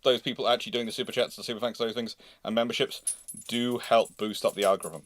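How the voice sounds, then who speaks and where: A man hosting a casual live question-and-answer stream, speaking haltingly, often repeating phrases and interrupting himself. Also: medium pitch, steady tone, a bit bright. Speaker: livestream host.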